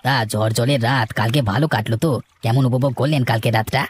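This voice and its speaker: A man's voice: medium pitch, fairly quick, a little hiss or hum, close to an everyday voice. A man voicing a polite, teasing, inquisitive working neighbour in a cartoon story. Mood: teasing, friendly. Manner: flattering, inquisitive.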